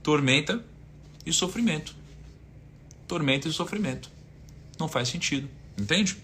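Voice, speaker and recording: A man's voice: a little high, lively intonation, moderate pace, a bit bright, a little hiss or hum. A man in his thirties with a Brazilian accent, giving a casual faith and money talk, full of rhetorical questions and quoted verses. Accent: Brazilian Portuguese. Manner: conversational, asks rhetorical questions, quotes scripture. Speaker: finance speaker giving a faith-based talk. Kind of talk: casual teaching talk, live stream.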